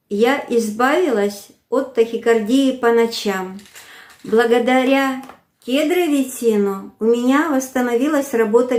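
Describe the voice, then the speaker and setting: Woman, brisk, fairly high voice, echoey room. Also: darkish tone. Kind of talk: testimonial.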